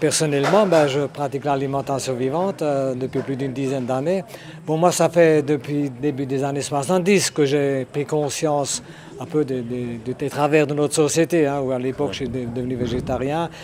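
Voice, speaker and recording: Over noticeable background noise, a man talks at a moderate pace in a fairly high pitch with fairly even intonation. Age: 70s. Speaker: fruit grower. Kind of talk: interview.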